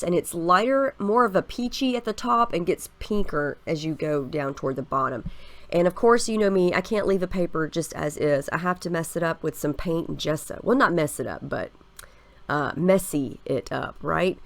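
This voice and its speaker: A woman's voice: on the low side, dry recording. Scratchy-voiced woman with a head cold. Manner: chatty, relaxed, explains each step with fillers. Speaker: scrapbooking video host. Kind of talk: casual voice-over narrating a craft process.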